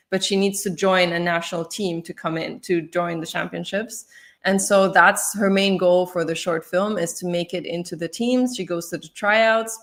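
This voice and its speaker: A woman from the Philippines, an actor and filmmaker, chatting candidly with a lot of laughter in an interview over a video call. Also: on the low side. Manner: laughs often, animated and candid. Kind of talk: casual interview chat.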